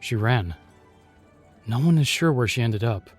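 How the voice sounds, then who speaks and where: Guy playing protective knight commander in audio drama, earnest but commanding, really lively pitch, music behind. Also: a little slow, breathy edge. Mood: reassuring. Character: gallant, protective male knight commander in fantasy. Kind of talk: fantasy audio drama acting.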